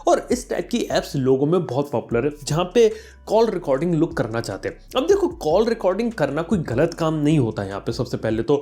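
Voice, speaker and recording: A man hosting a tech explainer channel talks to viewers with a warm, sing-song voice that's a little high and a little fast. He keeps it conversational and drops in English terms.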